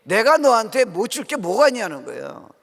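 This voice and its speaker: Middle-aged man, gravelly voice, long hall reverb, revival sermon, earnest and conversational, rhetorical questions. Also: high-pitched, big pitch swings, fairly quick, fairly bright tone. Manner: informal and earnest, often posing questions to the congregation. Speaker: guest pastor preaching. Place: large church sanctuary, preaching to a congregation. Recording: reverberant church hall sound.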